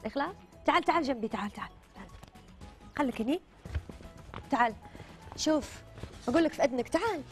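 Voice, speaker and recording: A woman's voice: sits high, lively intonation, fast, pauses often, soft background music. A woman in her thirties with a Gulf Arabic accent, presenting a children's quiz show and prompting with short repeated questions and phrases. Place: colourful indoor TV studio children's set.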